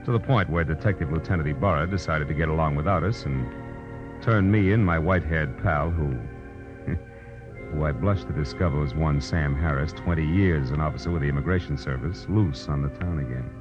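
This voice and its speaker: Tough wry private eye, low voice, muffled 1940s radio show with music behind. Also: male voice, fairly quick. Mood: wry, narrating. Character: hard-boiled private detective, tough and sardonic. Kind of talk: 1940s radio drama acting and narration. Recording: muffled old radio recording.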